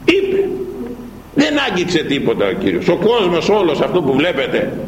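A man's voice: on the high side, big pitch swings, a little hiss or hum. A man preaching a sermon, emphatic and repetitive, hammering his points with rhetorical questions. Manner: emphatic, repeats phrases, fires rhetorical questions. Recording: echoey room.

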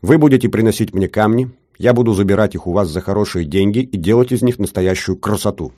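A man's voice: fairly low pitch, fast talker, warm tone, no echo, studio quality, lightly acted. A man voicing a shrewd older jeweler with an Odessa accent, talking in a wheedling, sing-song bargaining patter. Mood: scheming. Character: shrewd older male jeweler, haggling, fussy.

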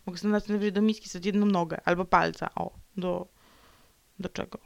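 Woman vlogger, solo grumbling monologue, gravelly texture, dry close sound, sulky rants with whispered asides and mock growls. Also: on the low side, steady tone, fast talker, no echo, lo-fi sound. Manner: sulky ranting, dips into whispered mutters; playful growls and repetitions.

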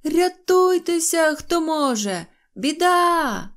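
A woman voicing an excitable, boastful little boy from a fairy tale who blurts out wild news in loud exclamations. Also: on the high side, a little slow. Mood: panicked. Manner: shouting in alarm, breathless exclamations. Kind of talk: audiobook character reading.

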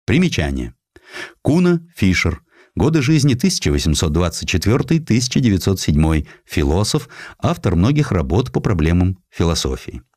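A man reading a historical essay as an audiobook narrator, in an expressive, measured literary manner with distinct pauses. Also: deep voice, no echo, clean studio sound.

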